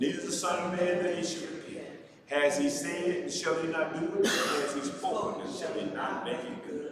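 A man's voice comes through loud background noise and audible room echo. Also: moderate pace. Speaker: pastor. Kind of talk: sermon. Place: church.

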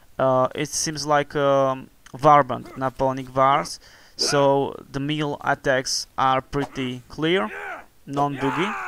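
Very slowly and with fairly even intonation, a man with a fairly high pitch speaks in a non-native accent. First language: not English. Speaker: gaming YouTuber. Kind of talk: game review. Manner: halting, many fillers.

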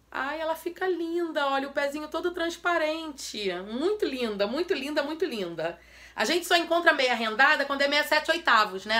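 The voice is raised and projected, with a bright, sharp, animated tone, very wide pitch swings and a moderate pace. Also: woman. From Brazil. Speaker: beauty vlogger. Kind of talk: unboxing video.

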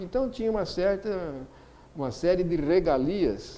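Here a man speaks with lively intonation. His tone is dark and mellow. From São Paulo, Brazil. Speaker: retired engineer, former power plant chief. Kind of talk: oral history interview answer. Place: home room. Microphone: lapel.

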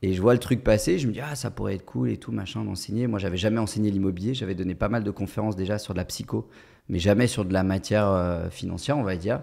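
Against a quiet background, a man speaks at a very fast pace in a fairly low pitch. His tone is dark and mellow, with ordinary pitch variation. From France. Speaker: medical student and property investor. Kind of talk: casual chat. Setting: in a private villa. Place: studio. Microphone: studio mic.

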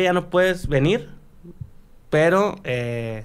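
Ordinary pitch variation shapes this voice. It is a man talking. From northern Mexico (Durango, then Torreón); Durango, Mexico. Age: 20s. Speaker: streamer and show production crew member; streamer. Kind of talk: casual interview. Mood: relaxed, joking storytelling. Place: studio. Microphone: studio mic.

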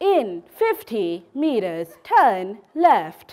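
Putting on a robotic character voice, a woman speaks in a calm tone at a fairly high pitch with very wide pitch swings. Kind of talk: theatrical monologue. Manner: calm, robotic.

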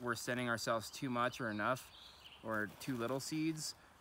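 A man is speaking. The sound is dry with no echo, with light background noise. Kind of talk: casual explanatory chat. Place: forest. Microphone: phone near.

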